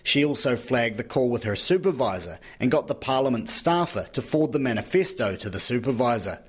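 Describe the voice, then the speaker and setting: New male court reporter, husky voice, even scripted news read. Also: medium pitch, brisk.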